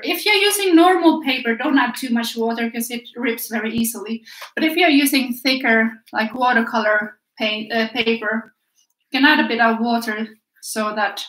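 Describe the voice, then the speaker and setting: A woman's voice: on the high side, fairly bright tone. A woman in her thirties with a Swedish accent, chatting to viewers as she leads a live paint-along lesson. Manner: chatty, encouraging, talks to viewers while painting. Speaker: art teacher. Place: small indoor room by an easel. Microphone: camera a few feet away, turns away at times. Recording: echoey room.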